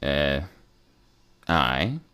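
A man voicing a gentle young Scottish woman in her twenties, a media student, in a read-aloud story. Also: extremely low pitch, very animated, drawn-out words, smooth, exaggerated voice. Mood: teasing. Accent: Central Belt Scottish.

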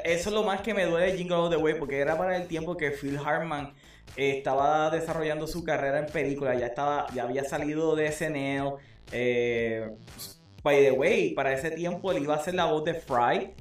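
Animated man with a higher voice. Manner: animated, mixes English phrases into Spanish. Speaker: podcast host. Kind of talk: casual chat. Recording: roomy echo with faint music.

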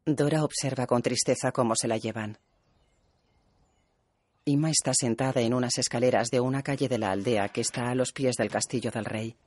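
A man calmly narrating scripted audio description for a film. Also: medium pitch, normal speed, no echo. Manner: calm, even narration.

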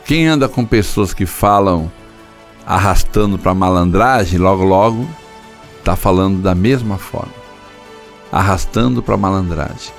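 A man's voice: low voice, unhurried, faint music behind. An older man preaching a sermon, telling stories and acting out dialogues in different voices. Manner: storytelling, acts out dialogues in shifting voices. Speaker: pastor.

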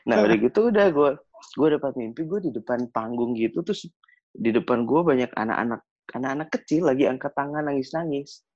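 Podcast guest, thirties, from Manado, jokey and animated, with a fry-heavy voice on a dry close recording. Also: male voice, mid-range voice, fairly quick, dry recording. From Manado, Indonesia. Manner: animated, slangy, jokey storytelling. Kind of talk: casual storytelling chat. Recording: dull lo-fi, dry sound.

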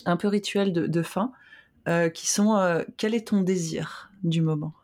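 A woman's voice: fairly low pitch, normal speed, darkish tone. A woman hosting a podcast, chatting informally with her guest and murmuring along as she listens. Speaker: podcast host. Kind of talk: casual interview chat.

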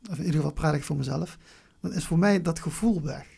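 A person with a southern Dutch accent talking reflectively in an interview, haltingly, often searching for words and repeating them. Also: medium pitch, gravelly, warm tone, husky. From Venlo, Limburg, Netherlands. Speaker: interview guest.

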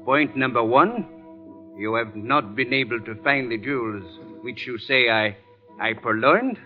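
An actor playing a suave, cunning jewel thief on a 1940s radio drama, speaking in a mocking manner. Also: male voice, medium pitch, unhurried, phone-quality sound, soft background music, natural voice. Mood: smug. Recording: old radio broadcast with long reverb.

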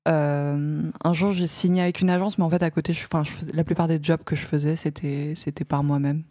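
A woman's voice: sits low, steady tone, brisk, mellow, dry recording. A woman in her twenties from France, a fashion model, chatting as a guest in an interview with many fillers and restarts. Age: 20s. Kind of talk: casual interview chat.

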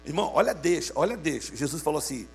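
A man's voice: a little high, big pitch swings, rapid-fire, a little mellow, slightly rough. A man, giving a playful sermon to young people and calling out to his listeners for answers. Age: 50s. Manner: playful, calls out to listeners for responses. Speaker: youth preacher.

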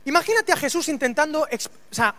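A man preaching a humorous, animated sermon and acting out scenes with voices. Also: extremely high pitch, fast talker. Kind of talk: storytelling sermon.

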